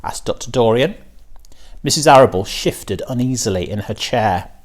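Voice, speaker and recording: A man's voice: medium pitch, lively intonation, normal speed. A man reading a children's story aloud as a narrator, in the manner of a teacher.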